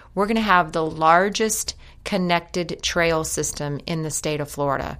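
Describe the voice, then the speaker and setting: A woman with an American accent speaks at a fairly low pitch and a fairly slow pace. Her intonation stays fairly even in a very clean recording with a silent background. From US South. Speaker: county commission chair. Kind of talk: interview.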